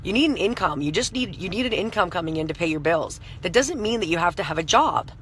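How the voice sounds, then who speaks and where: A woman in her thirties with a hoarse, scratchy voice, giving a chatty motivational talk on a live stream and greeting viewers by name. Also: on the low side, lively intonation, fast, fairly bright tone. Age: 30s. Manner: chatty, full of "you know" fillers, greets viewers by name. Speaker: entrepreneur hosting a live stream.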